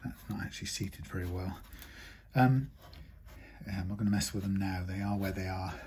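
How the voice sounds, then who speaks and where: A man's fairly low, somewhat breathy voice with a British accent, fairly even intonation and a moderate pace, plus audible room echo. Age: 60s. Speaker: guitar repair technician. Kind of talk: casual chat; tutorial. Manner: hesitant, many fillers.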